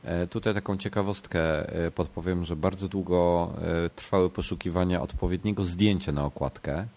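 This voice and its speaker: Casting: male podcast host, low voice, nasal and congested from a cold, casual, stumbling delivery with repeats. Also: fairly even intonation, moderate pace, darkish tone. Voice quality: congested, blocked-nose voice. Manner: hesitant, self-correcting, repeats words. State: sick with a stuffed nose and fever.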